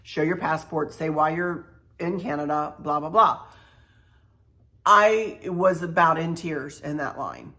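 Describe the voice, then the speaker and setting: A middle-aged woman from Virginia talks to her viewers in a relaxed, rambling way. Her voice sits a little low, and she circles back over her own phrases with folksy asides as the story goes on. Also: slow pace. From Virginia, USA. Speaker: travel vlogger.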